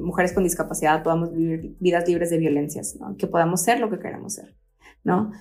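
A woman speaks at a fairly quick pace in a plain, everyday voice, with a fairly low pitch. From Mexico, Monterrey. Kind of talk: interview.

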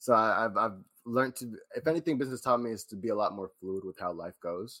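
In an American accent, a man speaks at a fairly quick pace with medium pitch, ordinary pitch variation and a bright, sharp tone, the sound dry and close with no echo. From Ohio and Texas (US), Ghanaian heritage. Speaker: fashion brand founder. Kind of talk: podcast interview.

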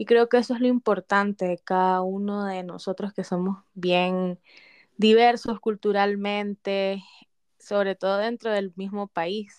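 Slow-ish, monotone speech from a woman at a medium pitch, flat in intonation, with a dry, close sound free of echo and a quiet background. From Nicaragua, Managua. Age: 20s. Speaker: youth activist. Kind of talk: interview.

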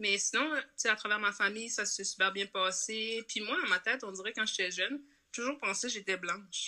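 A woman with a normal speaking voice talks at a moderate pace and fairly high pitch, with ordinary pitch variation. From New Brunswick, Canada (Acadian region near Quebec and Maine). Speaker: cook and food vlogger. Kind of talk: interview. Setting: video call.

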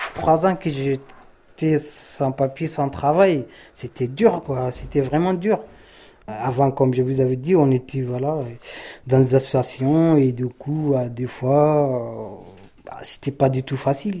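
A man speaks at a very slow pace in a fairly high pitch. His tone is dark and mellow, and his pitch varies in an ordinary way. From Chad. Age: young. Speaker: construction worker, former refugee. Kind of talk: interview. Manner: hesitant, many fillers.

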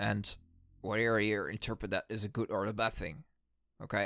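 A man speaks at a fairly quick pace with a fairly low pitch. The recording is very clean with a silent background and a dry, close sound with no echo. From Netherlands. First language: Dutch. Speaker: security professional and channel host. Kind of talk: solo commentary podcast. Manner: halting.

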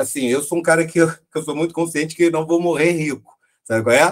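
A man's high-pitched voice at a fairly quick pace. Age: 40s. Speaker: design consultant and educator. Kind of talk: casual chat. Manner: animated.

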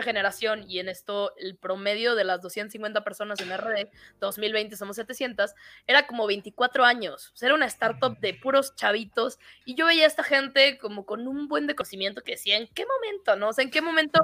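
On a very clean recording with a silent background, a woman with a fairly high pitch and a bright, sharp tone speaks at a moderate pace, her intonation lively and her loudness swinging widely. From Monterrey, northern Mexico. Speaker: podcaster and marketing specialist. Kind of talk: casual interview.

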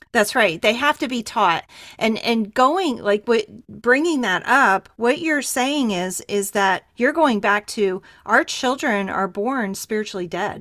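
A woman's fairly high, bright and sharp voice with lively intonation, at a fairly slow pace, dry and close with no echo, in a very clean recording with a silent background. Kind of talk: casual chat. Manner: firm.

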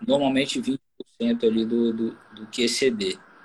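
A man talks fairly slowly with lively intonation and a fairly high pitch. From Espírito Santo, Brazil. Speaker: financial market professional. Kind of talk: live stream interview.

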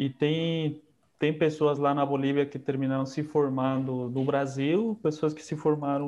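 At a fairly slow pace, the speaker talks in a monotone, flat intonation with a slight Spanish accent. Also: man. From Bolivia. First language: Spanish (speaking Portuguese). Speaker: orthopedic surgeon. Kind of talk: casual interview.

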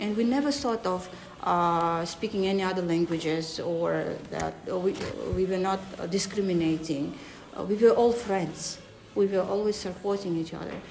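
In a Russian accent, a woman talks at a moderate pace with a medium pitch. Her pitch varies in an ordinary way, and there is noticeable background noise. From Kyrgyzstan, Osh. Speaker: interviewee. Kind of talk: personal testimony.

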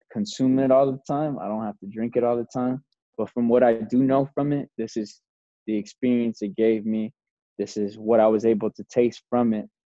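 An ordinary speaking voice from a man, medium in pitch, fairly even in intonation, at a moderate pace. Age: 20s. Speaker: fitness instructor. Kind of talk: casual chat.

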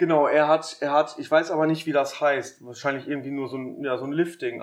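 Speaking at a fairly quick pace, a man has an unremarkable speaking voice pitched fairly high. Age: 30s. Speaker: podcast co-host, cafe owner. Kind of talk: casual chat. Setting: in a cafe.

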